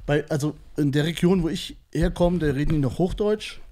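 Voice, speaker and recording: A man's voice: on the high side, fairly quick, dark tone, slight background noise. A man from southern Thuringia with a slight East German accent, a comedian guest joking and laughing often in casual podcast chat in a small studio. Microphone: desk mic with headphones.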